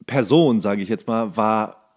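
A man's voice: fairly low pitch, unhurried, a little mellow. A man co-hosting a podcast, chatting casually in slangy, mocking colloquial speech as he comments on a show. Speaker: podcast co-host. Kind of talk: casual chat, commenting on a TV show while watching.

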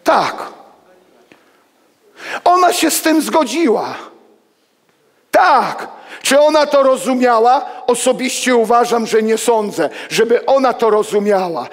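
A man in his sixties preaching a sermon to his congregation, walking among the pews and swinging between loud exclamations and hushed asides. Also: very high-pitched. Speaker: pastor. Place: church hall with pews and congregation. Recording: long reverb of a church hall.

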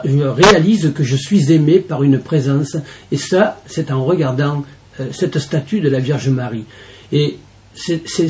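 A man, a deacon, giving an earnest personal testimony in an interview, halting often and restarting his sentences. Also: on the high side, a little mellow, slight background noise.

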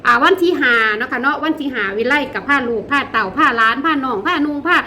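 A woman's voice: sits high, fast, bright, forceful tone. A middle-aged woman with an Isan accent, chatting casually to her viewers as a vlogger and laughing often. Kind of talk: casual vlog narration. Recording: roomy with faint background noise.

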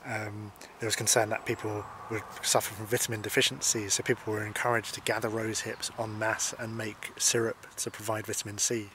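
Fortyish Scottish-born man, foraging instructor, low and even delivery, filmed outside with light background noise. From Scotland. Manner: calm, explanatory, unhurried. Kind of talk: outdoor foraging walk-through to camera. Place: outdoors by hedges and a field. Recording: faint outdoor noise.

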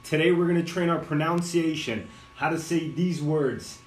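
Upbeat Brazilian male English teacher on a live stream, slightly high voice, slow exaggerated drills, echoey room. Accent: Brazilian Portuguese. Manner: energetic, mixes English and Portuguese, greets viewers; drills words slowly, exaggerates sounds. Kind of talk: live-streamed pronunciation lesson.

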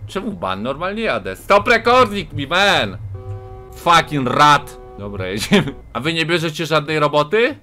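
A man's voice: on the high side, big pitch swings, moderate pace, bright, forceful tone, soft background music. A young man with a Polish accent, joking and trolling in voice chat while playing a truck game, switching between broken English and Polish. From Poland. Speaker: gaming YouTuber.

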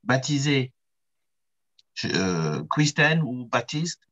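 A man's voice: medium pitch, big pitch swings, takes it slowly, a bit bright, highs cut off. A man reciting English vocabulary in an online class, hesitant and careful, heard over call audio. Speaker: student.

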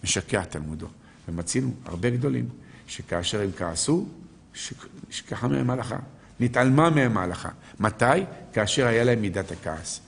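Low, gravelly rabbi preaching a sermon. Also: male voice, expressive. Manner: asks the audience rhetorical questions and answers them; quotes verses and sages. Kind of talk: live Torah sermon.

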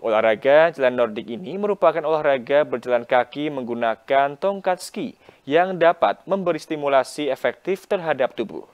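A man's voice: mid-range voice, expressive, moderate pace, clear, resonant tone, lo-fi sound. A man reading a scripted news report as a reporter.

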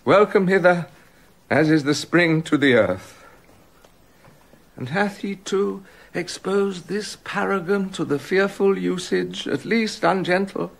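An actor playing a remorseful king in a radio drama, halting and stammering with emotion. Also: high-pitched, gravelly, exaggerated voice. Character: remorseful king, haunted by guilt.

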